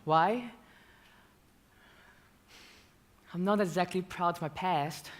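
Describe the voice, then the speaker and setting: A young man acting a stage monologue as a gay male dancer who haltingly confesses his painful past in a theater. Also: sits high, close to an everyday voice. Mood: guarded. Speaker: student actor in a stage musical.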